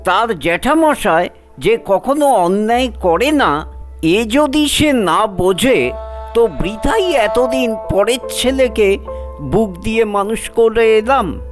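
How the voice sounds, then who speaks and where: A man playing a patient, devoted old head of a household in a story, speaking in a measured, gentle but firm way. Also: high-pitched, expressive. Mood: firm, heartfelt. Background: music.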